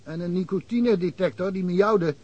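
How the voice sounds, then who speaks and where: A wry, chatty small-town cop. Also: male voice, high voice, normal speed, darkish tone, breathy edge, muffled recording. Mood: amused, chatty. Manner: talkative, wry storyteller, chuckles often. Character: chatty provincial cop, male, middle-aged, wry. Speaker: local police detective. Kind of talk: radio drama acting.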